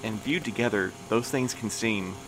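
A man playing a calm, patient middle-aged postmaster who interviews new couriers, speaking gently and in a measured way. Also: on the low side, background noise, close to an everyday voice. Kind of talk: audio drama acting.

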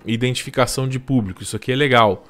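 A man's voice: medium pitch, faint music behind. Chatty Brazilian man in his thirties. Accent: Brazilian Portuguese. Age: 30s. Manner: relaxed and chatty, peppering advice with quick tag questions. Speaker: YouTube growth coach hosting a live stream. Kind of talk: casual live-stream channel review.

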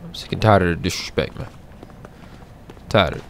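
A man's voice: deep voice, expressive, a little fast, vocal fry, fairly bright tone, a little hiss or hum. A young man commenting on a video game as he plays it for the first time, incredulous and joking, talking back to the screen. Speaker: gamer. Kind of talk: blind let's play commentary.

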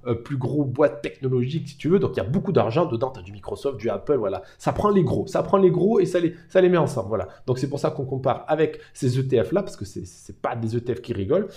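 A young man hosting a casual market analysis, talking fast and excitably to his viewers with lots of trading slang. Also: medium pitch. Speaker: crypto market analyst, channel host.

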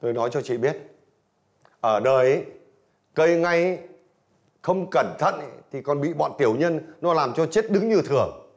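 A man's voice: a little high, expressive, normal speed, pauses often. An actor playing a hot-tempered, proud old man in a nursing home, scolding and defensive. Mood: heated. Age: older. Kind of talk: TV drama acting.

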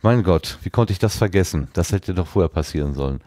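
Very deep-voiced man hosting a podcast. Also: lively intonation, fast talker, mellow, no echo, studio quality. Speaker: podcast host. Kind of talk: casual podcast moderation.

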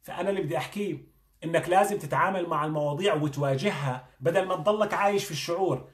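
A man's voice: on the high side, rapid-fire. A man, a doctor giving a motivational talk, earnest and coaching, firing questions at the listener. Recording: echoey room.

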